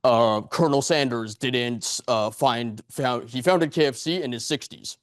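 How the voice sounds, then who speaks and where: A man in his late twenties giving an earnest speech to a room of club members, and he tends to ramble and stop to correct himself. His voice sits at a middle pitch, and the sound is dry and close. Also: a little slow, no room sound. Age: 20s. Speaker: club speaker. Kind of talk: live speech to a club audience. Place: meeting room.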